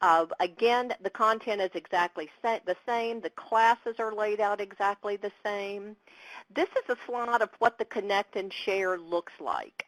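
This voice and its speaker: A woman with a Southern US accent speaks at a fairly slow pace and medium pitch with ordinary pitch variation, in a dry, close sound with no echo. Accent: Southern US twang. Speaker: mental health program author and presenter. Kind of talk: webinar presentation.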